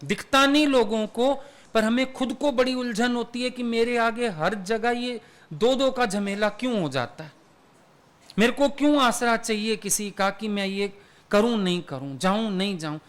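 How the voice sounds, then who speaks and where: A man with a notably high-pitched voice delivers a satsang sermon to listeners. He speaks conversationally and teases his audience as he makes his points. He drops English words into his speech along the way. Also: unhurried, a bit bright. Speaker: spiritual teacher.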